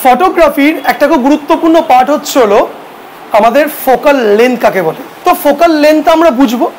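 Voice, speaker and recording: A woman's voice: high-pitched, lively intonation, fast, darkish tone, faint music behind, low-quality recording. A woman teaching a photography class, lecturing and asking her students questions, then answering them herself.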